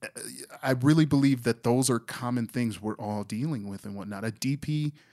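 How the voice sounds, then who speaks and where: In an unremarkable speaking voice, a man talks at a moderate pace and medium pitch with ordinary pitch variation, on a very clean recording with a silent background. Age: 20s. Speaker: independent filmmaker. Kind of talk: casual chat.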